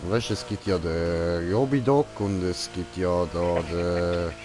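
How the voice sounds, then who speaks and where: Swiss german guy streaming a game, really slow talker, lowish voice, giggly and slangy, bit of engine noise. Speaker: gaming streamer reading and answering chat. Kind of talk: casual gaming chat.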